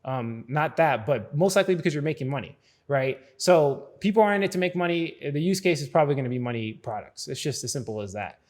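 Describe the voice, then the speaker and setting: A man with a voice pitched a little above average hosts a casual explainer. He talks informally and directly to his viewers, often checking that they follow along. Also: lively intonation, fast talker, darkish tone. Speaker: host of a crypto explainer video.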